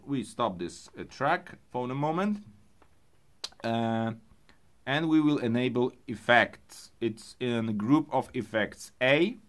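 A man who speaks English as a second language, presenting an unscripted hands-on music gear tutorial in a halting way, thinking aloud. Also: medium pitch, fairly bright tone. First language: not English.

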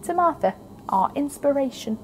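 A woman acting a brisk, wry and obsessive research scientist in a naturalistic audio drama. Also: high-pitched, expressive, a little hiss or hum, low-quality recording. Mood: brisk, affectionate. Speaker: actor.

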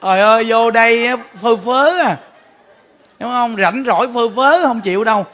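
A man's voice: very high voice, moderate pace. A man, a Buddhist monk giving a sermon, telling stories with frequent laughter and speaking straight to his listeners. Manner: animated storytelling, laughs often, addresses the audience directly.

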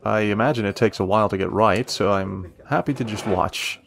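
An actor playing a friendly, protective young café worker in a romance audio roleplay, curious and admiring, gently teasing with hesitant pauses. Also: male voice, lowish voice, creaky. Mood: friendly, helpful. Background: soft guitar music.

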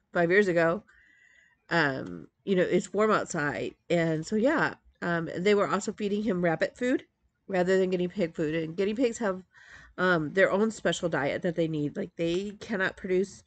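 A woman's voice: lowish voice, no room sound. Congested, nasal woman chatting at a webcam. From Metro Detroit, Michigan. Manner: rambling, many ums and restarts. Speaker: crafting vlogger. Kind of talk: casual chat to camera. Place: home craft room, indoors. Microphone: webcam at desk.

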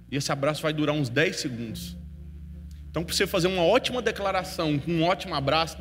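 Emotional preacher in a reverberant hall. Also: male voice, a little high. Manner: emotional storytelling, swings from hushed to loud. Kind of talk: sermon storytelling. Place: church hall. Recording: long hall reverb with faint music.

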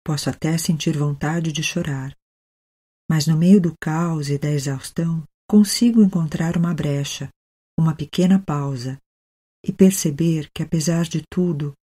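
A Brazilian woman leading a guided meditation, speaking gently and soothingly with long pauses. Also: low-pitched, slightly rough.

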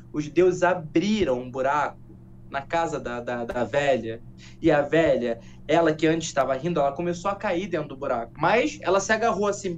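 A man telling a folk tale gently and unhurriedly as a guest in a studio interview. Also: on the high side, highs cut off. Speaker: guest, educator and storyteller.

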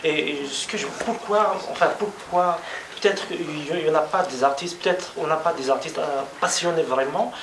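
A man interviewing a writer, asking long, halting questions with many hesitations. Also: a little high. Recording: echoey room with background noise.

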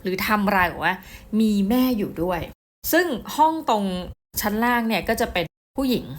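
Chatty middle-aged woman reviewing books. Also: medium pitch. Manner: chatty, addresses viewers directly, excitable storytelling. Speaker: book reviewer. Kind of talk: casual book review.

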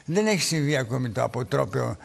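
A man's voice: medium pitch, expressive, creaky, slight background noise. A middle-aged man hosting a studio talk show, asking probing questions in a conversational way.

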